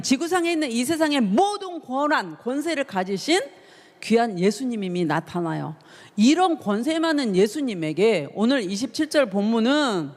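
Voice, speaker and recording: A woman pastor preaching to a youth service, telling the story with lively rhetorical questions to her listeners. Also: a little high. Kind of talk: youth sermon. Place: church hall. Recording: long reverb of a church hall.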